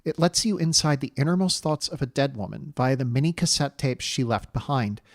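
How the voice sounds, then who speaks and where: A man's voice: mid-range voice, a little fast, no room sound, studio quality. A man reading a scripted promotional announcement as a podcast host. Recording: prominent music behind. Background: music.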